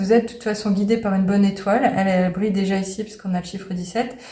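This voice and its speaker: Noticeable background noise behind a fairly even intonation. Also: woman. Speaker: medium and tarot card reader. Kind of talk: astrology card reading talk to camera. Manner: casual, hesitant with many fillers.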